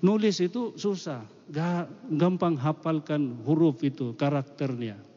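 A man's voice: on the high side, moderate pace, mellow. A man preaching informally in a conversational sermon style, explaining with everyday examples. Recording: echoey hall, dull muffled sound.

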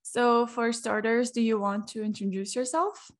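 A young woman in her twenties hosting her podcast, talking in a quick, chatty way and sounding tired. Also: fairly high pitch, fairly even intonation. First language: Portuguese. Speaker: podcast host. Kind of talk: casual podcast intro.

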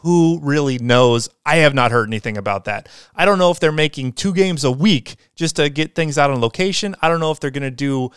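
A man's voice: a little high, lively intonation, fairly quick, hardly any pauses, smooth, dry recording, studio quality. A man hosting a casual solo podcast, talking in an upbeat, rambling way with lots of fillers and restarts. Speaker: podcast host.

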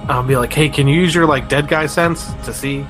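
Higher-pitched breezy male player. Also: steady tone, brisk. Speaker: tabletop game player. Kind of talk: casual, joking in-character roleplay. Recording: loud music bed behind the voice. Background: music.

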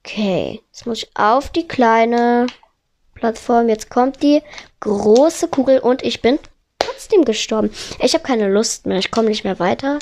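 Woman, let's play commentary, headset mic, excitable, narrates every move, slightly high voice. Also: unhurried, a little hiss or hum. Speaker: gamer.

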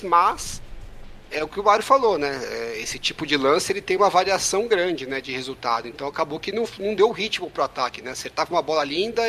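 A man's voice: on the high side, fairly bright tone, a little hiss or hum. A man with a Brazilian Portuguese accent giving casual analytical sports commentary, often tagging phrases for agreement. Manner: frequently adds tag questions seeking agreement. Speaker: sports podcast panelist.

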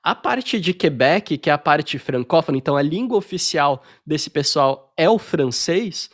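Young Brazilian man, Brazilian Portuguese accent, raised pitch; easygoing podcast guest, filler-heavy storyteller, video-call sound. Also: normal speed. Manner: relaxed storytelling, frequent fillers. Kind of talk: casual interview chat.

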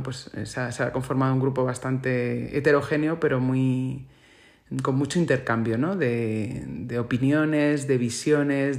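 A man from Spain with a Spain Spanish accent, speaking alone in a reflective, unscripted monologue. His voice sits at an ordinary middle pitch, and he talks thoughtfully, pausing to search for the right word. He sounds like a podcaster musing on his own experiences.

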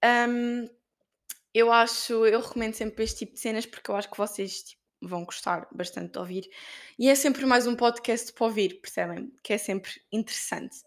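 A young woman with a European Portuguese accent hosts her solo podcast, telling stories in a chatty, animated way full of fillers. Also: a little high, moderate pace. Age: young adult. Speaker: podcast host and student. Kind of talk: casual solo podcast chat.

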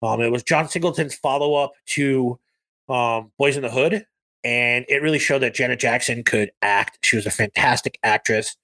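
A man's voice: medium pitch, moderate pace, sharp tone. A man co-hosting a podcast, chatting casually about movies and rambling with lots of ums and likes. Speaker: podcast co-host.

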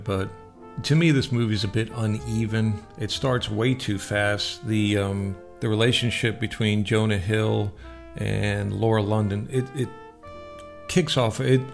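A man with a lowish, gravel-edged voice reviews films as a radio host. He talks informally and gives his opinions plainly, with faint guitar music playing underneath. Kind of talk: casual solo movie review, partly read from notes.

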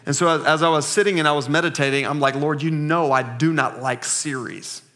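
A man in his thirties, a pastor giving a sermon with slow, emphatic scripture reading and call-and-response to the congregation. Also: a little high, steady tone, fairly bright tone. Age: 30s.

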